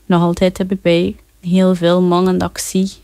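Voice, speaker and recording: An anonymous woman with a Flemish accent, her voice distorted and shifted deeper, speaking haltingly in a news interview clip. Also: monotone, mellow, smooth, dry recording. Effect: voice distorted, pitch shifted deeper.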